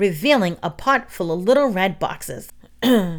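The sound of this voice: Lively intonation in an easy, unforced reading voice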